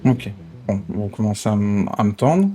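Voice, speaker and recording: A man's voice: fairly low pitch, lively intonation, normal speed, warm tone, soft background music. A man in improvised online role-play, questioning others like an interrogator, often stumbling and repeating himself. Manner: hesitant, repetitive, pressing questioner.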